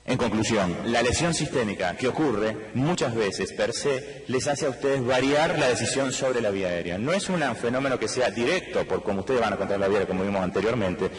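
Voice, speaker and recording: A man's voice: on the low side, roomy sound, big-room sound, rough recording. A man with an Argentine accent giving a medical conference lecture. He explains at length, speaks straight to the audience and throws in rhetorical questions. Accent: Argentine Spanish. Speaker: anesthesiologist lecturer. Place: large conference hall.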